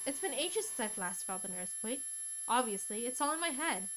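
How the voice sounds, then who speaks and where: A woman's voice: on the high side, lively intonation, brisk, fairly bright tone. A woman streamer reading a visual novel aloud expressively, with casual asides. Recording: music under the voice. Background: game music.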